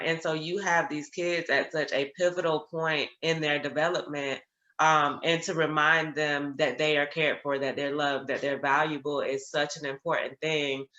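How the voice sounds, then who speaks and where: A woman's voice: sits low, roomy sound, dull audio. A woman attorney hosting an interview show, chatting and telling stories with plenty of ums. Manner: chatty, many ums, animated when quoting others. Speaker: attorney, podcast host. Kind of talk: conversational storytelling.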